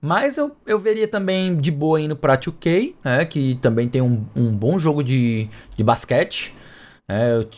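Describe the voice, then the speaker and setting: A man with a fairly high voice speaks very slowly, his intonation lively. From Ceará, Brazil. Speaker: podcast co-host. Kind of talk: casual chat. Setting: video call.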